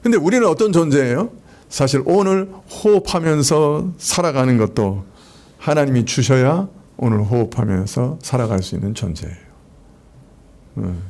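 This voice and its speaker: A man preaching a Sunday sermon as pastor, in a conversational way, letting phrase endings trail off quietly. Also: medium pitch, expressive. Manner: conversational preaching with soft laughs and drawn-out endings. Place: church sanctuary.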